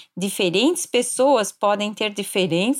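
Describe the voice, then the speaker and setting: A woman speaks at a fairly slow pace in a fairly high voice with very wide pitch swings. The recording is very clean and dry, close-sounding with no echo and a silent background. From southern Brazil, Blumenau (Santa Catarina). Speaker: communication consultant and journalist. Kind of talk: interview.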